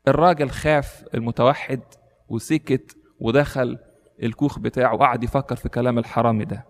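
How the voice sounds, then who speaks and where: A man's voice: medium pitch, steady tone, fairly quick, in a large hall. A man with an Egyptian accent preaching a sermon, telling a story and earnestly urging the congregation. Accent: Egyptian Arabic.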